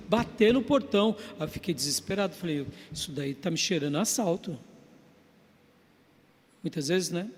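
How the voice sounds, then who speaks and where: High-voiced pastor in a reverberant church. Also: male voice. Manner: storytelling, swinging from loud emphasis to hushed asides. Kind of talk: sermon. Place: church sanctuary. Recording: long church-hall reverb.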